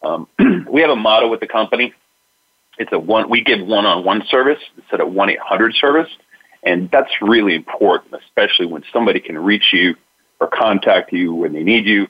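A man from Florida, a sales executive answering interview questions in a relaxed, conversational way. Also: fairly low pitch, fairly quick, breathy edge, dull audio. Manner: relaxed, conversational, many fillers.

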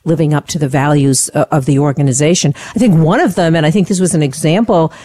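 A woman's voice: deep voice, fast, warm tone. A woman hosting a conversational radio interview, thinking aloud as she restates points to her guest.

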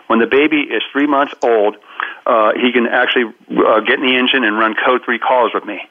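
Brief: fifties man, talk-radio guest, animated storyteller, phone-line sound. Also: mid-range voice, fairly quick, very noisy. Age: 50s. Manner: animated storyteller, acts out quoted voices. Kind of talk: radio interview.

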